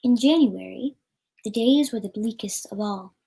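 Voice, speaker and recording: A woman's voice: a little high, moderate pace, creaky, background noise. A woman reading a children's story aloud as a storyteller, with an occasional stumble over the words.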